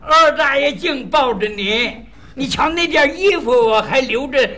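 A man voicing a deaf, doting old man who talks loudly and rambles in a crosstalk comedy act. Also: very high-pitched, lively intonation, measured pace, full character voice. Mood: rambling, doting. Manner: loud, rambling, mishears and talks past others.

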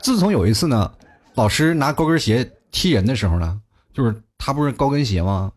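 Husky, animated comic. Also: male voice, mid-range voice, fairly quick. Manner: animated, chatty, laughs at his own jokes. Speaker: talk show host. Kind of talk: comic storytelling monologue.

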